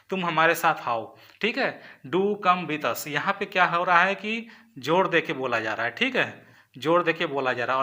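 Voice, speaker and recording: A man's voice: a little high, pushed and bright. A man teaching an exam-prep grammar lesson, explaining step by step, repeating points and often checking in with "okay". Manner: mixes English terms into Hindi explanations.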